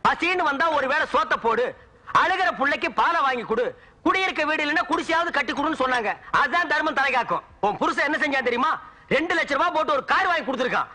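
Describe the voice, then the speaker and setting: A man's voice: extremely high pitch, expressive, quick pace, pushed and bright, heavily acted. An actor playing a grumbling, sarcastic man who rants about his brother-in-law in a film comedy scene. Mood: ranting. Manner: ranting, sarcastic.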